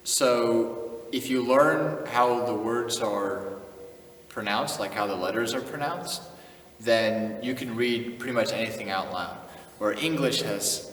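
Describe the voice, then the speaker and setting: A young American man hosts his own video channel, chatting casually in a laid-back way, chuckling often and slipping in Afrikaans phrases. His voice is lowish with a fairly bright tone. He's recorded off-mic from a distance in an echoey room with faint noise.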